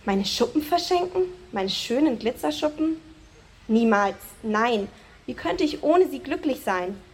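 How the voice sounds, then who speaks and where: A woman's voice: on the high side, expressive, unhurried, slightly rough. A woman voicing a vain, lonely rainbow fish. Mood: anguished.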